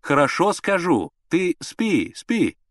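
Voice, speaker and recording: A man reading an audiobook, voicing a stout, good-natured middle-aged father with a sly, gently mocking manner. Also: on the high side, huge pitch swings, takes it slowly, dry recording, studio quality, voice pushed up, heavily acted. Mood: amused.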